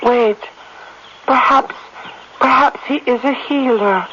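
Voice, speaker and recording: An actress playing a gentle, devoted young tribal woman in a radio drama, earnest and simply formal in her phrasing. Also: fairly high pitch, slow pace. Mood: pleading. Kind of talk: 1970s radio drama acting. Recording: muffled, hissy old radio recording.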